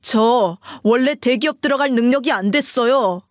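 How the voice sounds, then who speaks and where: A woman's voice: fairly high pitch, moderate pace, dry recording, lightly acted. Lady voicing a worn-out husband, pleading and subdued, dry close sound. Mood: strained. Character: weary, strained grown son and husband.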